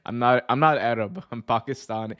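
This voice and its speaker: Brisk and medium-pitched, with a slightly bright, clean tone, a North American-accented man from the United States hosts a casual livestream. The wrestling show host reacts to viewer comments in slangy, profane language, breaking into laughter often.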